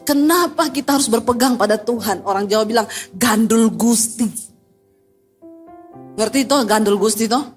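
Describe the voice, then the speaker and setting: A woman's voice: on the high side, fast talker, few pauses, soft background music. A woman pastor preaches a sermon, speaking emphatically and conversationally and throwing rhetorical questions at the congregation.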